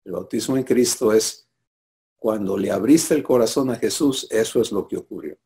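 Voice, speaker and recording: A man's voice: on the low side, normal speed, warm tone. A man preaching a sermon, teaching and often asking listeners for assent. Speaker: pastor.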